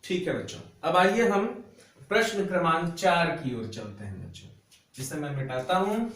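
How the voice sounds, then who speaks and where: A man's voice: fairly high pitch, expressive, moderate pace, fairly bright tone. A man teaching a class, patiently explaining grammar at a board and drawing out syllables so students can copy them. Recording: roomy echo, voice a bit far from the mic.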